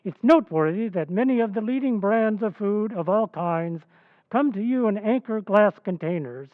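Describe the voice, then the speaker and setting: A man's voice: high voice, lively intonation, normal speed, no echo. A man reading a scripted old-time radio advertisement as announcer, with a formal, polished sales delivery. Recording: thin, tinny radio-like sound.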